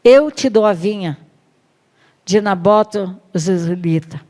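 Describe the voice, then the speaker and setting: A woman pastor with a Brazilian accent preaching to a women's service, lively and questioning the congregation. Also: medium pitch, slow pace. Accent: Brazilian Portuguese. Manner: lively, acts out Bible stories, asks the room questions.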